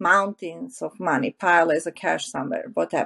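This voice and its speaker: In an Eastern European accent, a woman speaks at a fairly slow pace with lively intonation, in a dry, close sound with no echo. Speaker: NLP coach and real estate agent. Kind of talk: interview, casual explanation.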